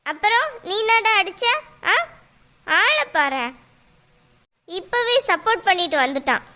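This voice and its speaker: A woman's voice: extremely high pitch, lively intonation, measured pace, sharp tone, exaggerated voice. A woman voicing a quarrelsome, pushy mother in a cartoon, talking in a bossy, demanding way. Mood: angry. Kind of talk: cartoon voice acting.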